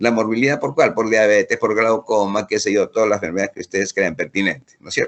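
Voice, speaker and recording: A man's fairly low voice at a very fast pace with hardly any pauses and ordinary pitch variation. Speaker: university professor. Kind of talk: lecture.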